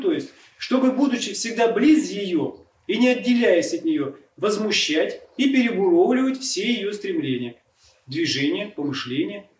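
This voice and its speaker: A man preaching a sermon, explaining earnestly and asking rhetorical questions. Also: high-pitched. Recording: echoey room, distant mic, faint noise.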